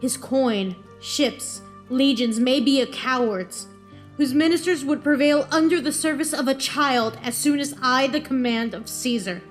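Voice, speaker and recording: A woman's voice: high-pitched, measured pace. Proud, defiant Roman general, acted by a woman. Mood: defiant, challenging. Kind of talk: Shakespearean audio drama acting. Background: music.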